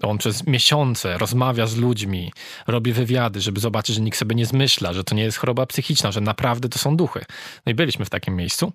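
A man, a travel reporter, chatting in an interview in a relaxed way with hesitant fillers. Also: fairly low pitch, fairly quick, husky, no echo, studio quality. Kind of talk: casual interview chat.

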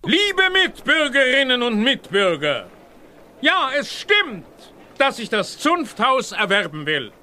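An actor in his seventies playing a smooth-talking, scheming businessman who sways crowds with grandiose, theatrical oratory in a children's radio play. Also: extremely high pitch, wildly swooping pitch, slow, bright, forceful tone, a little hiss or hum, full character voice. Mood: grandiose, insistent. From Germany. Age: 70s. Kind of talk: 1990 German children's radio play acting.

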